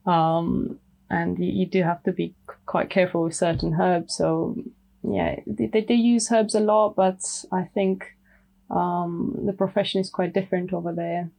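A woman from Romania, a medical herbalist guest speaking softly and thoughtfully in a podcast interview. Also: on the low side, flat delivery, moderate pace, vocal fry, poor audio. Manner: soft-spoken, thoughtful, many you knows. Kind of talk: casual interview.

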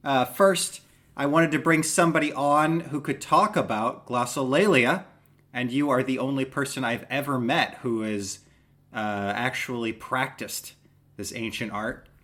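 A man's voice: mid-range voice, steady tone, measured pace, a bit bright. Man, podcast host, friendly rambling questions, interview.

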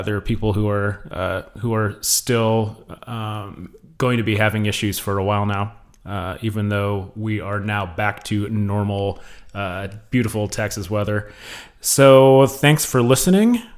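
A man's voice: on the low side, fairly even intonation, measured pace. A man hosting a casual podcast chat, talking with many fillers and restarts. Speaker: podcast host. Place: Texas.

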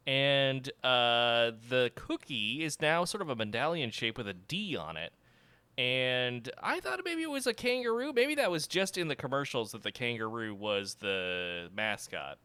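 Brief: male podcast host, lively pitch, crisp bright tone, chatty and jokey. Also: a little slow, dry recording. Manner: chatty, laughs often, jokey. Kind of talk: casual podcast chat.

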